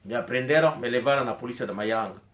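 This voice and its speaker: Speaking Portuguese with an Angolan accent, this vlogger from Angola, a native Kikongo speaker, recounts a personal story in a meandering, stop-start way, often starting over. His voice sits in the mid range with a fairly bright tone, recorded in an echoey room.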